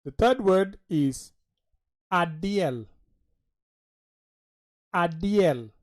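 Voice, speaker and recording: A language teacher giving a vocabulary lesson, saying each word slowly and repeating it with care. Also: medium pitch, a little mellow.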